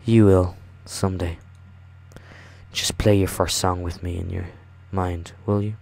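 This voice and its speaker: A man voicing a gentle, courtly French nobleman, fatherly and wise, speaking softly in measured phrases. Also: low-pitched, little pitch movement, creaky, exaggerated voice. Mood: fond.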